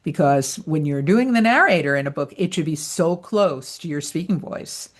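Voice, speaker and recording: A woman's voice: sits low, lively intonation, normal speed. Chatty woman voice-over coach. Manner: chatty, explanatory, laughs easily. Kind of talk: online training talk.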